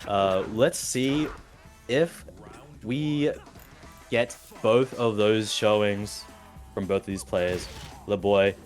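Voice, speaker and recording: A man's voice: on the low side, takes it slowly, long pauses, soft background music. Australian man calling a fighting game. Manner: steady analytical calls with rising excitement on big moments. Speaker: esports caster. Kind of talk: fighting game play-by-play and analysis.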